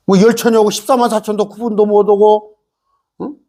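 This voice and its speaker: A man's voice: high-pitched, level tone, brisk, dark tone. A man preaching a sermon as pastor, emphatic and full of rhetorical questions and "eh?" asides.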